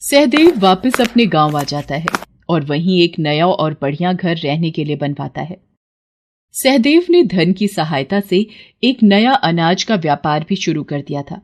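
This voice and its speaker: A woman tells a children's cartoon tale in scripted narration. Her delivery is expressive, with a lively, varied melody. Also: fairly low pitch, a little slow. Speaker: storyteller narrator.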